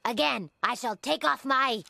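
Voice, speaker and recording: A woman's voice: sits high, moderate pace, gravelly, pushed and bright, slight background noise, exaggerated voice. A woman voicing a cartoon character who recites a silly home play in a hammy, melodramatic way. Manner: hammy, melodramatic line reading. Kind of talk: cartoon voice acting.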